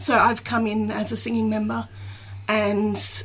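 The voice belongs to a woman with an Australian accent. She keeps a moderate pace. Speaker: choir musical director. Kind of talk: casual radio interview.

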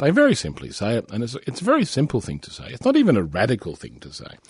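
Here is a man with an Australian accent. His voice is somewhat breathy. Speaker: community radio host. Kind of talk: radio talk show. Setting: studio.

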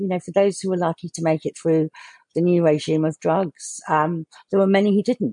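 Fairly low-pitched with a dark, mellow tone, a woman speaks in a British accent, heard in a dry, close sound with no echo. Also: quiet background. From England. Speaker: community worker. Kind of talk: radio interview.

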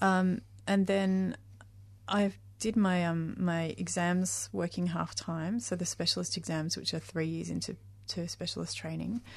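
A woman speaks in an Australian accent. Her pace is fairly slow. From Australia, rural Victoria (Mildura). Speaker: doctor and climate campaigner. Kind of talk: interview. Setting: radio studio. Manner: hesitant, many fillers.

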